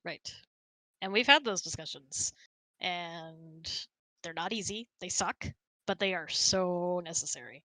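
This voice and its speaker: A woman's voice: fairly low pitch, a little slow, bright, forceful tone, dry recording, poor audio. A middle-aged woman hosting a casual, candid chat and giving relationship advice in an informal way. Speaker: host.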